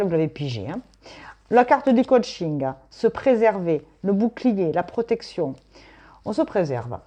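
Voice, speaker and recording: A woman's voice: mid-range voice, dark tone. A middle-aged woman giving a casual weekly tarot reading, chatty and emphatic, thinking aloud with many fillers. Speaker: tarot reader.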